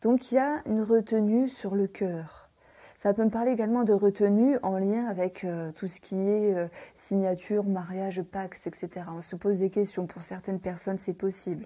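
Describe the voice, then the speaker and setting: In a northern French accent, a woman speaks at a moderate pace with a dark, mellow tone and ordinary pitch variation. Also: medium pitch for a woman. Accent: northern French (ch'ti). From northern France. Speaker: tarot reader. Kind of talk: tarot reading, horoscope. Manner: casual, with hesitations.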